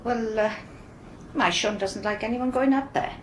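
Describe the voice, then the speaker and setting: A woman's voice: a little high, a little slow, echoey room, a little hiss or hum, lightly acted. An actress playing a deferential, hesitant Welsh housekeeper in a radio drama, evasive and reluctant in her answers. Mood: guarded, reluctant.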